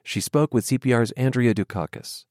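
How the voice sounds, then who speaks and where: A man hosting a public radio news program, with measured, crisp broadcast delivery into a studio microphone. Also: mid-range voice, a little mellow, dry recording. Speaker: radio host. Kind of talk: public radio interviewing and reading.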